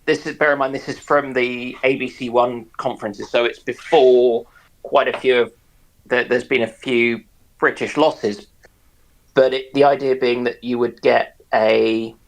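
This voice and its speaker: A man in a casual panel chat, explaining things haltingly and circling back over his phrases. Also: medium pitch, fairly even intonation, a little hiss or hum, rough recording. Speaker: discussion panellist.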